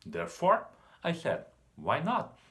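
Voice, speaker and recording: Unhurried Brazilian man teaching literature. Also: a little high, huge pitch swings, a bit bright. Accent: Brazilian Portuguese. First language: Portuguese. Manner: unhurried, measured, explanatory. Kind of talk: literature lesson to camera.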